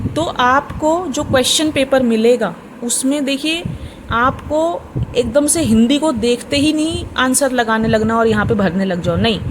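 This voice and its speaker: A woman's voice: fairly high pitch, noisy background. A woman teacher explaining an exam answer sheet step by step, repeating key points patiently and addressing viewers as friends. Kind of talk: explanatory tutorial lesson.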